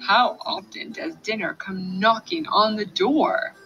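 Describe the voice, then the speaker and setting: A woman doing a slow, gloating hungry fox. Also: medium pitch, pushed and bright, muffled recording, faint music behind. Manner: slow, gloating, drawn-out lines. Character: hungry sly male fox, greedy.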